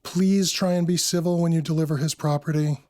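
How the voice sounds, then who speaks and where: Polished, sassy woman friend, played by a man: wry, teasing, brisk, raised pitch, fiction podcast. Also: fairly even intonation, a little mellow, lightly acted. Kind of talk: acted dialogue in an audio fiction story.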